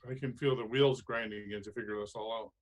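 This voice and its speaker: A man's voice: lowish voice, fairly even intonation, a little fast. A man co-hosting a wellness call-in show, greeting callers briefly in an easygoing way. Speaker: co-host.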